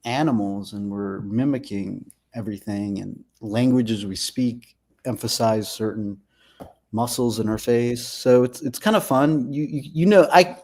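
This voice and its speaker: A man from the United States with a gravelly edge to his voice, speaking as a guest in a relaxed interview. He works through his ideas out loud, circling back and repeating words as he goes. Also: medium pitch, unhurried. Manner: thoughtful, repeats words while forming ideas. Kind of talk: casual conversation.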